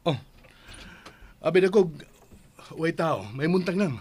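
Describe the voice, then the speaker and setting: Higher-voiced easygoing Bisaya priest, acted by a man. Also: animated, measured pace, a little mellow. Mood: genial. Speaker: priest character. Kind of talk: Bisaya radio drama comedy acting.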